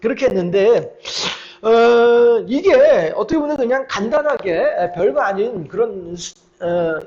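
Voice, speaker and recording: High-voiced Korean pastor preaching. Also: male voice, expressive, a little slow, a little mellow, dull audio. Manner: storytelling, acting out biblical dialogue with fillers. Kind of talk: sermon.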